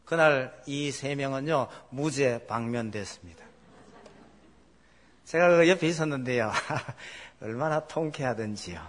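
Preaching a sermon, this middle-aged male pastor speaks a little slowly in a mid-range voice. His storytelling is animated, and he keeps asking the congregation questions.

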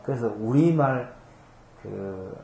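A man's voice: mid-range voice, expressive, slow, creaky, warm tone, roomy sound. A man preaching a conversational sermon, explaining scripture patiently with homely examples and rhetorical questions. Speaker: pastor. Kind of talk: conversational Bible-teaching sermon.

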